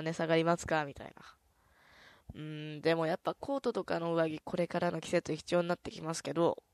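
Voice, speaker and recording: Soft-spoken woman host with a stuffy nose. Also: on the low side, gravelly, no echo, studio quality. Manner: soft, easygoing, chatty, with many "un" fillers. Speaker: radio host. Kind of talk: casual radio chat.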